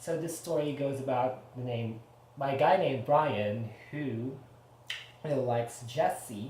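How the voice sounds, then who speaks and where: The speaker moves at a fairly slow pace, with long and frequent pauses. Background noise is noticeable. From Philippines. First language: Filipino. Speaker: book vlogger. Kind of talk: casual book review vlog.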